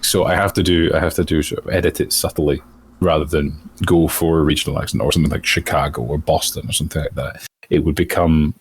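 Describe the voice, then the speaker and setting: A voice actor from Europe in a casual interview, talking thoughtfully with many restarts. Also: male voice, a bass voice, steady tone, quick pace, breathy edge. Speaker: voice actor guest.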